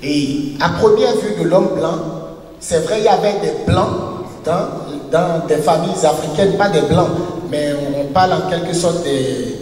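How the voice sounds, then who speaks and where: A man gives a lecture in a language that is not his native one, often pausing and restarting as he searches for words. His voice sits fairly high. It is picked up from far away in a strongly echoing hall with a faint hiss behind it. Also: a little mellow. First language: a local language, not French. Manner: halting, searching for words with many restarts and fillers. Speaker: university professor and historian giving a lecture. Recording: echoey hall recorded from far off.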